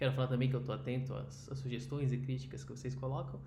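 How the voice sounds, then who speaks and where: Fairly quick male speech at a medium pitch, amid noticeable background noise and audible room echo. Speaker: radiologist and teacher. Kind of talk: lecture. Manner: fast.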